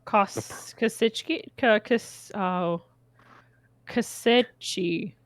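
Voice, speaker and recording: A woman at a tabletop game table making wry, quick remarks in casual chat. Her voice is mid-pitched and recorded dry and close. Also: no echo. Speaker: player.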